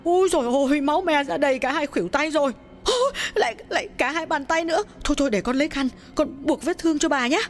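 A man's voice: very high voice, animated, a little fast, fairly bright tone, pitched above the performer's own voice. A man voicing a frightened young woman servant who exclaims and fusses over her injured mistress. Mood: alarmed. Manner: frantic, exclaiming, fussing.

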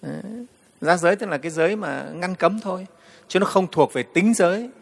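A man, a Buddhist monk giving a storytelling dharma talk to the assembly, often pausing on "đấy". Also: high voice, vocal fry, long reverb tail. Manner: storytelling, frequent "đấy" fillers, addresses the assembly.

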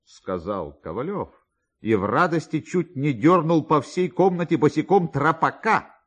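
A man reading a satirical literary story for radio in a theatrical, expressive way, with pointed pauses and emphasis. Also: fairly high pitch, breathy edge. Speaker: narrator, actor reading a classic satirical story. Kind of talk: dramatic literary narration for radio.

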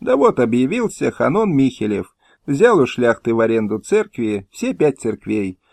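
A man's voice: medium pitch, very animated, moderate pace, gravelly, darkish tone, dry recording. A man voicing an old, poor male Jewish tailor who talks in a weary, resigned, pleading way in a historical audiobook. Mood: sorrowful. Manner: pleading, sorrowful.

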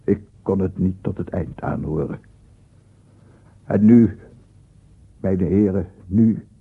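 A man's voice: low voice, slow pace, gravelly, husky, exaggerated voice. An actor playing a tormented, obsessive madman in a theatrical Dutch radio play monologue, intense and swinging from whispers to cries. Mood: pleading, mocking. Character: tormented, obsessive madman addressing imagined gentlemen. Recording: tinny, band-limited old radio recording.

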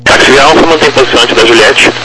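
A man's voice: mid-range voice, fast talker, loud music behind the voice. A Brazilian man giving terse, procedural air traffic control instructions over the radio. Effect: radio transmission. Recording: very noisy aviation radio.

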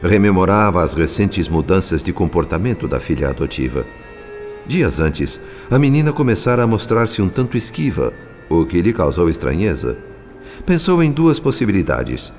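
A man's voice: low voice, sing-song, moderate pace, darkish tone. A man with a Brazilian accent giving solemn, formal scripted narration for a radio drama. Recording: faint music behind the voice.

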